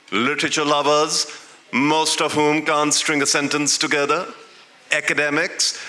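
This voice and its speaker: Bright-voiced man, reading dramatically. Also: a little high. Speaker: presenter and dramatic reader. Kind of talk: dramatic live reading of a short story. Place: outdoor literature festival garden stage. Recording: faintly noisy live outdoor event.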